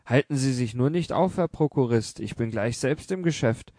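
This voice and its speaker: A man voicing an anxious young salesman who rushes out pleading, flustered excuses. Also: medium pitch, lively intonation, dark tone, no room sound, clean studio sound, lightly acted.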